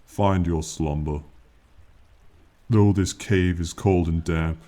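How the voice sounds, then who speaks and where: A regal, reassuring ancient dragon is performed by a man in a fantasy ASMR roleplay, his very deep, dark voice carrying fairly even intonation. He speaks slowly in a formal, lofty, archaic style, proud and condescending toward the mortal companion yet plainly fond of them.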